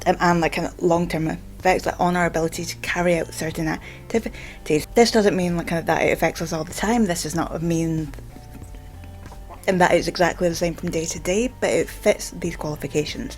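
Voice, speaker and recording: A Scottish woman with a stammer gives an informal explainer, halting often and leaning on repeated filler words. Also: lowish voice, fairly even intonation, soft background music. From Scotland. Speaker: vlogger and stammering advocate.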